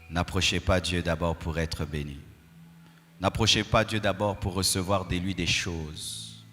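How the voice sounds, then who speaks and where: Music plays in the background as a man speaks at a fairly slow pace. His pitch is very deep and low, with fairly even intonation. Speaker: pastor. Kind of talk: sermon. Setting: church service. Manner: calm, not shouting.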